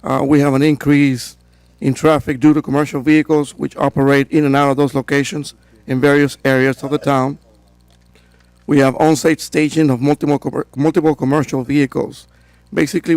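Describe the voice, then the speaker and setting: Hoarse man presenting to a council. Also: mid-range voice, dry recording. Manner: steady and procedural, with frequent fillers. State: hoarse from a cold. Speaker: code enforcement director. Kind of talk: formal presentation at a town council meeting.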